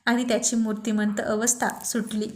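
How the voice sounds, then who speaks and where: A woman storyteller reading a serialized romance aloud with steady, expressive narration. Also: fairly high pitch, normal speed.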